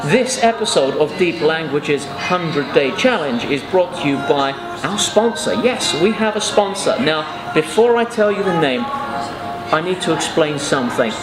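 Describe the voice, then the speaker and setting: A man co-hosting a vlog, reading a sponsor message in a deliberate way. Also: on the high side, lively intonation. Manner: deliberate, spells things out. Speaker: co-host. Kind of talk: sponsor read in casual chat. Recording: roomy, loud music behind.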